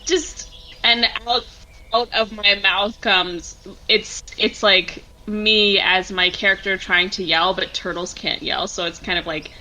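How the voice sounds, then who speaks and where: A woman's voice: mid-range voice, fairly even intonation, a little slow, background noise. A woman casually improvising her character's thoughts in a tabletop roleplaying game, acting out the reactions. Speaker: player in a tabletop roleplaying podcast.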